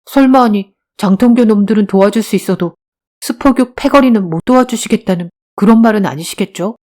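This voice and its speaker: A woman's voice: mid-range voice, lively intonation, normal speed, mellow, close to an everyday voice. A woman voicing a bold, scrappy twelve-year-old beggar boy who talks earnestly and pleads in an audiobook drama.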